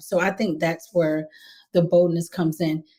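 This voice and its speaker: Soft-spoken, a woman talks at a fairly low pitch with a dark, mellow tone. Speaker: sports PR agency founder. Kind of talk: interview answer.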